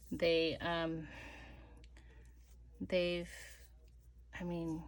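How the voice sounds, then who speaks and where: A woman talks soft-spoken. Her pace is very slow. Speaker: crafting YouTuber. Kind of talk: casual crafting tutorial chat. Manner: quiet, soft-spoken; hesitant, many fillers.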